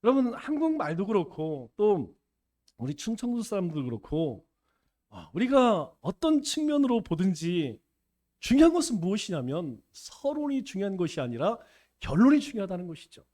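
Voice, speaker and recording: A man's voice: sits high, big pitch swings, moderate pace, a little mellow. A male pastor with a Chungcheong accent, preaching a folksy sermon and acting out little dialogues. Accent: Chungcheong Korean. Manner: folksy, playful, acts out dialogues.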